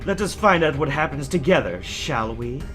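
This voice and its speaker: A man voicing a sinister male villain in an audio drama, coaxing an old friend with slow, deliberate, taunting words. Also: fairly high pitch, lively intonation, fairly bright tone, soft background music, voice pushed up.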